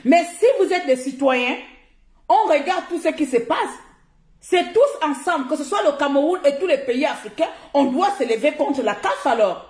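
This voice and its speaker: A woman from Gabon with a high voice scolds her viewers in a heated live-stream rant, hammering her points by repeating them. She talks into her phone in an echoey room. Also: lively intonation, moderate pace, darkish tone. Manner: confrontational, scolding, repeats herself for emphasis. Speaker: social media live streamer.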